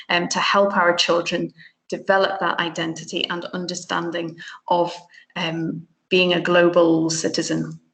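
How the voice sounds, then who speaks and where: A woman's voice: lowish voice, fairly bright tone. A woman who grew up partly in Ireland, a teacher giving a conference talk in a thoughtful, earnest way with many ums and restarts. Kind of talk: recorded conference presentation.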